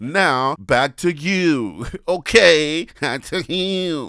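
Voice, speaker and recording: A man puts on a sing-song character voice at a fairly high pitch. He speaks at a very slow pace. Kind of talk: formal broadcast delivery. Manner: sing-song intonation, ending sentences on an up or down note.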